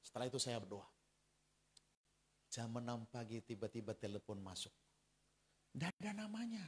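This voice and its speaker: Male pastor, mid-pitched, animated storytelling sermon aimed at the congregation. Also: moderate pace, slight background noise. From Central Java, Indonesia.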